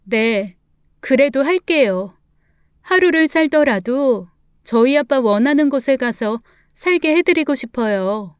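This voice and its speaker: A woman voicing a grieving adult daughter in a read-aloud family story, speaking softly and earnestly. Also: high voice, expressive, unhurried, clear, resonant tone, no echo, clean studio sound. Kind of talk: storybook dialogue reading.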